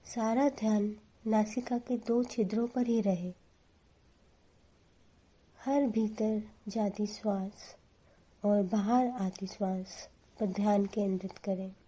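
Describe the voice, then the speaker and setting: Lady doing guided meditation, super mellow n slow, calm soothing voice. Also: mid-range voice, breathy edge, poor audio.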